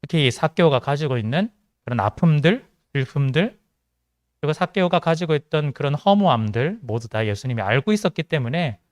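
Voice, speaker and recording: A man's voice: on the high side, expressive, a little fast, dry recording, clean studio sound. A male pastor with a mild Gyeongsang accent, giving a conversational sermon with joking asides. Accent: mild Gyeongsang Korean. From Gyeongsang region of South Korea. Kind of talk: sermon to a young adults' congregation.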